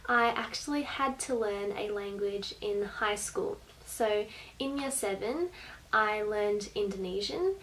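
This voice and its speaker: A woman's voice: medium pitch, rough recording. Young Australian woman, faint background noise. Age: late teens to young adult. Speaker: vlogger. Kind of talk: casual explanatory vlog talk to camera. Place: small bedroom indoors.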